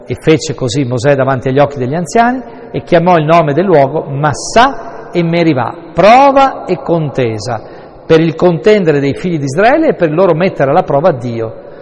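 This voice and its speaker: Guy priest going over a bible reading, chatty and rambly with side jokes, kinda high voice, big echoey church. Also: sing-song, moderate pace, a little mellow. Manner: conversational and digressive, with wry asides. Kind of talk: Bible commentary to a congregation.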